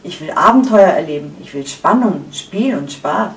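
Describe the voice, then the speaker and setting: A woman's voice: on the low side, lively intonation, normal speed. A woman voicing a restless egg white who pleads to leave its cozy shell for adventure, read aloud in a roomy space from a distance. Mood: eager. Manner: eager, pleading. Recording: echoey room, far from the mic.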